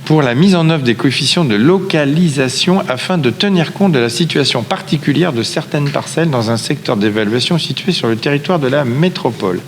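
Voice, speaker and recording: A man's voice: a little high, animated, fairly quick, few pauses. Guy running a town council meeting, explains stuff formally w repeats, reverby hall, bit of noise. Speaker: local official chairing a town council meeting. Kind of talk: formal council presentation, semi-improvised. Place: large echoing meeting room.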